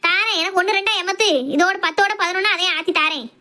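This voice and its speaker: A woman playing a sharp-tongued middle-aged housewife and strict mother, talking sarcastically. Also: very high voice, quick pace. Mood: scolding. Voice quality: scolding, sarcastic. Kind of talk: comic family skit.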